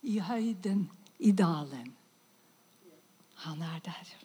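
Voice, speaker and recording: A woman with a fairly low, husky voice and lively intonation gives an emotional faith testimony, dropping to whispers and then bursting into loud praise as she tells her story. She is fervent and exclaims praise often.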